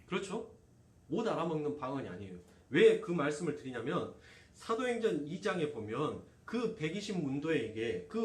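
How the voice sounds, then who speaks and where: A man's voice: on the high side, recorded from a distance. A male pastor, preaching a sermon and firing rhetorical questions at his congregation. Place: church sanctuary. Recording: echoey room, voice off-mic.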